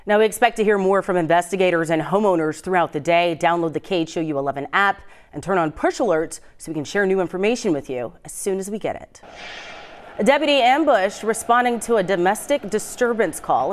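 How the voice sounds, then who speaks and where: A woman's voice: on the low side, lively intonation, fairly quick. A woman with an American accent reading scripted morning news as a television anchor in a studio.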